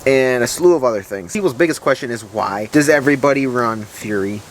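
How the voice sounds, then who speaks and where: Casual male vlogger over clear background noise. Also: mid-range voice, expressive, brisk. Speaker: vlogger reviewing truck tires. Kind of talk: casual chat, off-the-cuff vlog.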